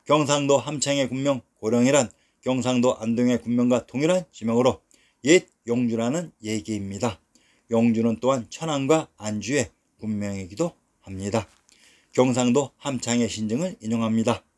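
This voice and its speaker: Man reading a measured history narration. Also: mid-range voice, a little mellow. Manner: measured, list-like reading of place names. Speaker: narrator of a history lecture series. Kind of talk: scripted narration, reading out sources.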